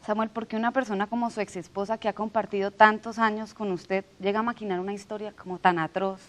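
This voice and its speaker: A woman's voice: medium pitch, level tone, quick pace. Woman asking direct interview questions. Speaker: TV interviewer host.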